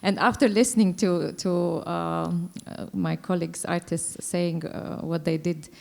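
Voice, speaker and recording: A woman's voice: lowish voice, fairly even intonation, measured pace, gravelly, darkish tone. A woman speaking on a discussion panel, thoughtful and hesitant, with many fillers. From Croatia. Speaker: panelist, dance company director.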